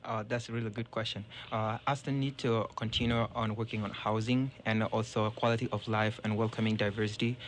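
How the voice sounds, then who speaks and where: Young man, low flat voice, hesitant radio candidate with faint noise behind. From Ethiopia. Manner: halting, many fillers. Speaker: city council candidate.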